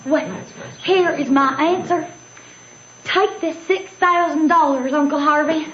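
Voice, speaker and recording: Trusting country girl, super high voice, echoey hissy old radio. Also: a little slow, lo-fi sound. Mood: earnest. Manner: bright-eyed, insistent, questioning. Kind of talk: old-time radio drama acting.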